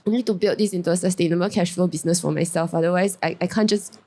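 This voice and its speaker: A woman's voice: fairly low pitch, fairly even intonation, very fast, warm tone. A woman with a Singaporean accent, speaking as a guest on a business panel, chatty, with frequent restarts and self-corrections. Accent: Singaporean English. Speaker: guest, character brand founder. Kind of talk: panel discussion.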